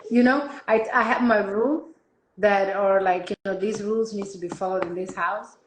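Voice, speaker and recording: A woman talking in a relaxed, reflective way, often trailing off softly. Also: mid-range voice, normal speed, reverberant, a little hiss or hum, low-quality recording. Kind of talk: casual conversation.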